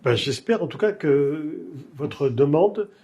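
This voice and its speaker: A male host at a literary talk show speaks in a very husky, raspy voice. His tone is mellow and dark, and he talks in a measured, digressive way, often pausing on fillers as he builds his questions. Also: a little high, lively intonation. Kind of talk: cultured interview conversation.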